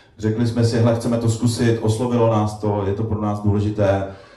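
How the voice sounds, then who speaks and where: Audible room echo and noticeable background noise accompany a man talking at a fairly quick pace in a medium pitch. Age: 40s. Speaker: workshop co-presenter. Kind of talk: workshop lecture with audience exercises.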